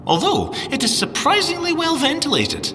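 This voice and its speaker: A teasing Scottish field scientist in an audio drama. His voice is bright and forceful, with lively swings of pitch. He is playful and theatrical, in a reverberant space. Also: normal speed, a little hiss or hum, full character voice. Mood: chatty, earnest. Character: playful, teasing male spy-agency scientist agent.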